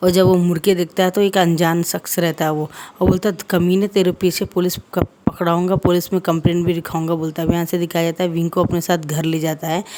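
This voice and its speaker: Over noticeable background noise, a woman with a fairly low pitch speaks at a moderate pace in monotone, flat intonation with hardly any pauses. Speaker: fan fiction narrator. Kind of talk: storytelling narration. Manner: casual, conversational.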